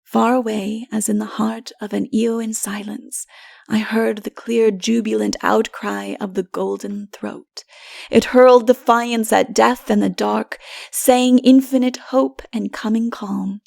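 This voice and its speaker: A woman narrating literary fantasy as a dramatic audiobook, expressive and theatrical, sometimes dropping to hushed phrases. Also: a little high, measured pace, gravelly, dry recording, clean studio sound.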